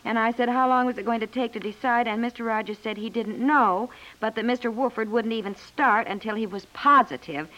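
An actress playing a polite, chatty, slightly scattered American housewife in a 1950s radio comedy. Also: female voice, a little high, a little fast, few pauses, fairly bright tone, close to an everyday voice. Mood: chatty, concerned. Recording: dull 1950s radio recording.

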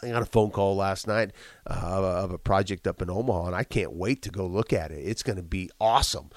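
Congested and coughing from the chest, a man who owns a business talks frankly and emphatically in an interview, repeating himself a great deal. He speaks fast in a low voice, with no echo.

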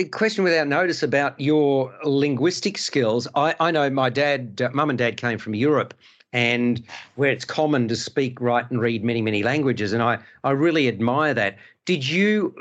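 A man's voice: mid-range voice, lo-fi sound. A middle-aged man whose first language is Hungarian, hosting a casual film-review panel and rambling through restarts and digressions. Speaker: podcast host.

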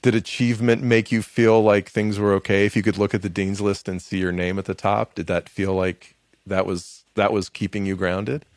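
A podcast host with a lowish male voice leads the interview in an upbeat, chatty manner. The sound is dry and close. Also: little pitch movement, moderate pace, a little mellow, dry recording. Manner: upbeat, conversational.

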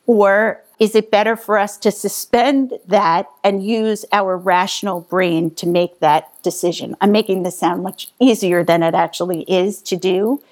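A woman's voice: medium pitch, fairly even intonation, unhurried, few pauses, a little mellow. Woman guest, thoughtful and explanatory, medium voice. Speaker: author and psychologist guest. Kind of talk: conversational interview.

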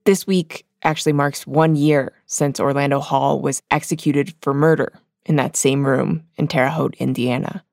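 A woman hosting a podcast, delivering scripted introductions in a clear, composed way. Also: extremely low pitch, fairly even intonation, moderate pace, hardly any pauses, a little mellow, no echo, clean studio sound. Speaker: podcast host. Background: music.

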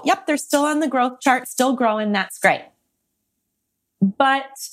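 A woman speaking as a psychologist guest on a podcast, explaining clearly and steadily and listing points. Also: medium pitch. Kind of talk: expert interview answers.

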